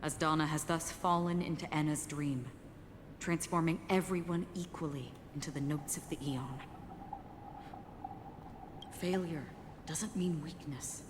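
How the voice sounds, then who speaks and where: An actress playing a composed, solemn woman in a video game, speaking in measured, formal lines. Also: low voice, in a large hall, a little hiss or hum. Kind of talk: scripted game dialogue.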